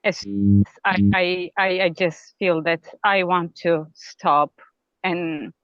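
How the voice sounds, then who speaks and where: A woman's voice: fairly low pitch, fairly even intonation, fairly bright tone, no echo. Weary woman caller, hesitant and repeating herself, heard through a poor, muffled connection with no room sound. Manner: halting, repeats words, apologetic. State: tired, exhausted. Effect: bad call connection. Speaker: caller asking a spiritual teacher. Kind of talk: hesitant questions on a call. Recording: dull, dry call line.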